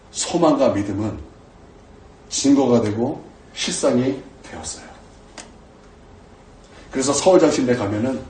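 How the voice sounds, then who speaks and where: A male pastor preaching a sermon, telling stories with lively delivery and acting out his own earnest prayers. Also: medium pitch, echoey room, distant mic. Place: church sanctuary.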